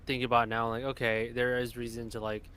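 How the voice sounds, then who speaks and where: A man on a podcast talks in a hesitant way, stumbling as he searches for the right words. His voice sits at a middle pitch, and noise can be heard clearly behind it. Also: level tone, quick pace, fairly bright tone. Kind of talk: casual chat.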